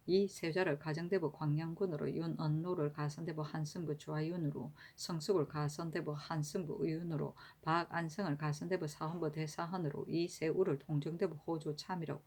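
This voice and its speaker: A woman reading historical court annals aloud in a steady, even-paced, formal manner. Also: deep voice. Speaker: reader of historical records.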